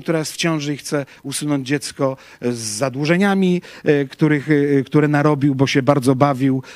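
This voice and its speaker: A middle-aged male pastor lectures with a higher-pitched voice, turning his lesson into lively stories and acting out voices from them. The sound is dry and close, with no room echo. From Poland. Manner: animated storytelling, acts out quoted shouts. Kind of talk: lecture with personal anecdotes.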